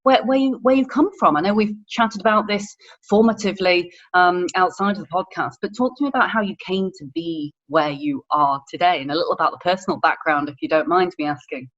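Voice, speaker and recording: A woman's voice: fairly low pitch, brisk. Woman podcast host, slightly muffled sound. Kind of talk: conversational interviewing. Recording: slightly dull, lo-fi online audio.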